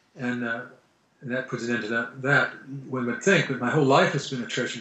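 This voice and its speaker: At a fairly quick pace, a man talks at medium pitch with ordinary pitch variation. Audible room echo surrounds his voice. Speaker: filmmaker and memoir author. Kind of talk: interview.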